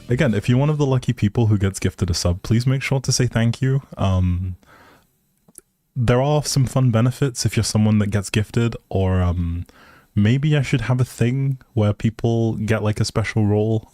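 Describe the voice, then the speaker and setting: A man's voice: on the low side, moderate pace, warm tone, no echo, clean studio sound. A man hosting a casual livestream, chatting to viewers in a hesitant, rambling, appreciative way. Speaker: live streamer, host.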